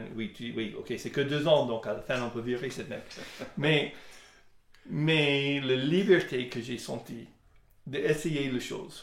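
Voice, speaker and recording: With an American accent, a man at a fairly high pitch speaks very slowly with long, frequent pauses, big swings in loudness and ordinary pitch variation, heard with audible room echo. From United States. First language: English (speaking French). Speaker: worship leader. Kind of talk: podcast conversation. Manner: halting.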